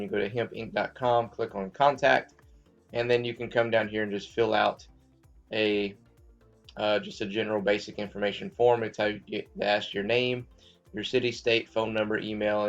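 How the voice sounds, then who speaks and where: A man talks loosely to his viewers about stocks, filling the gaps with "um" and "uh" and often asking "okay?" His voice sits a little low. The audio is dull and lo-fi, with faint music underneath. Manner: loose and chatty, many fillers, checks in with "okay?". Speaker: finance channel host. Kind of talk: casual market commentary to viewers.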